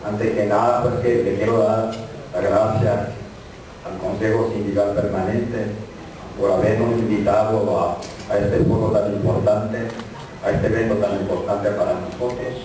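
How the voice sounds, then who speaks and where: Man speaking at a forum, first language indigenous, formal and a bit halting, big echo, faint hiss. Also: fairly low pitch, level tone. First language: an Indigenous language of Sonora. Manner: formal, grateful, halting at times. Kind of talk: speech at a public forum. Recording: echoey room, voice from far off, faint noise.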